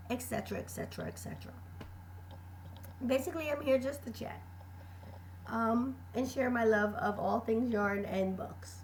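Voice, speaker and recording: With audible room echo and noticeable background noise, a woman speaks at a moderate pace with long, frequent pauses. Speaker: crochet and book vlogger. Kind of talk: casual chat. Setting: home, recording at desktop computer. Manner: hesitant, many fillers.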